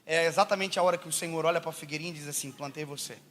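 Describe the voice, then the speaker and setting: Male preacher from Brazil, high, quick delivery, comic sermon style, animated and jokey, faint background noise. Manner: animated, jokey, laughs often, swings from loud to hushed.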